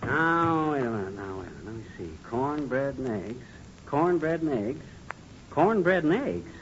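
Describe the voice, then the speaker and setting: An actor playing a boastful, forgetful middle-aged husband in a 1940s radio comedy, blustery and chuckling. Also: male voice, a little high, animated, moderate pace, a bit bright. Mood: bluster. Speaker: comic lead. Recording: muffled noisy old radio broadcast.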